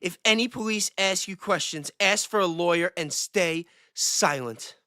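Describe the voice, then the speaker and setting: A woman's voice: lowish voice, measured pace, pushed and bright, no echo, studio quality. A woman reading the part of a worried, devoted lover in an earnest, theatrical script read. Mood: tender worry. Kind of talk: mock-dramatic script reading with improv.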